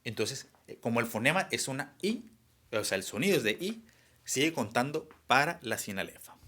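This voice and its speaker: A man's voice: mid-range voice, expressive, normal speed, bright, forceful tone. A young man explaining a lesson, with frequent fillers and restarts. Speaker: teacher. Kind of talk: online class lecture.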